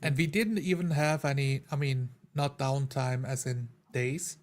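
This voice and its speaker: A man's voice: medium pitch, steady tone, measured pace, darkish tone. A man talking casually as a player in a discussion about tabletop roleplaying.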